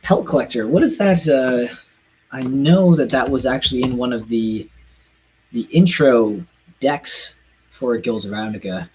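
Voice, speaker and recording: A man chatting casually on a live stream, rushing in quick bursts and stumbling over foreign words. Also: medium pitch, a little mellow, slightly rough, highs cut off. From Canada.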